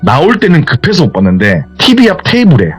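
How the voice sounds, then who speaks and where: Male horror-radio host, chatty spooky storytelling, swinging pitch. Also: fast, breathy edge, soft background music. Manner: lively, chatty storytelling with hearsay endings. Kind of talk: retelling a viewer's ghost story.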